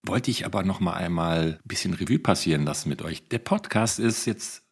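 A man's voice: deep voice, lively intonation, brisk, breathy edge. A man hosting a podcast, leading it in a cheerful, playful way and quizzing his co-hosts. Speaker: podcast host. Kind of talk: casual podcast chat.

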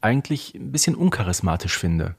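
A man with a German accent, co-hosting a fan podcast in a measured, agreeable, conversational way. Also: sits low, sing-song, vocal fry, breathy edge. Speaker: podcast co-host.

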